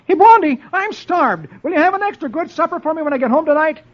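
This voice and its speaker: A man voicing a frantic, starving office worker, squeaky and whiny, on an old radio broadcast. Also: expressive, fast talker, lo-fi sound. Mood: eager.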